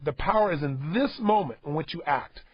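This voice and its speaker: A man delivers an exhorting motivational talk and drives each point home by repeating it. His voice sits high and sounds husky. The sound is dry and dull, like an old audio tape. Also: lively intonation, fairly quick, no room sound. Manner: emphatic, repetitive and exhorting. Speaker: motivational speaker. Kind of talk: motivational talk to a studio audience.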